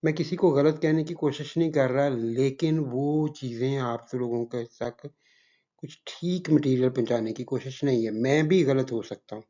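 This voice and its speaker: Earnest, mellow-voiced man from Pakistan. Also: mid-range voice. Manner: earnest, modest, advising. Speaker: teacher. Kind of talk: lesson closing remarks to students. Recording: slightly muffled lo-fi recording.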